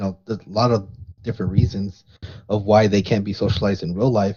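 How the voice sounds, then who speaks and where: A somewhat breathy man's voice, fairly low in pitch, very fast and monotone with flat intonation. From Mexico. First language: Spanish. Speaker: roleplay gamer podcast panelist. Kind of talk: casual chat.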